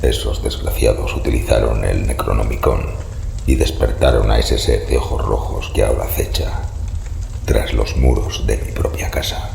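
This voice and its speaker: An actor playing a haunted, secretive old man who gives grave, ominous warnings in a horror audio drama, with a rasping voice. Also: very deep voice, fairly even intonation, moderate pace, darkish tone, heavily acted. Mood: grave, urgent. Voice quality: very gravelly, breathy rasp. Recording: echoey hall reverb, faint noise.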